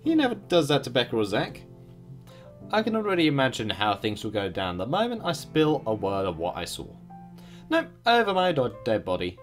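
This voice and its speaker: Male streamer, animated reader, visual novel narration, light music bed. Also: medium pitch, fairly quick. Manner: expressive reading with asides and laughs. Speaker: game streamer. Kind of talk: reading a visual novel aloud.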